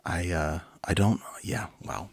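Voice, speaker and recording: A man in his forties hosting a children's book reading, mixing expressive narration with casual, enthusiastic asides. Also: low-pitched, slow pace, creaky, husky. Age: 40s.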